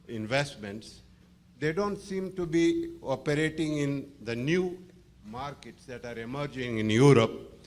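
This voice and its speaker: A man from India putting a formal, carefully worded question as a shareholder at a public meeting. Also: fairly high pitch. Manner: formal, deliberate, courteous wording. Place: large meeting hall, at an audience microphone.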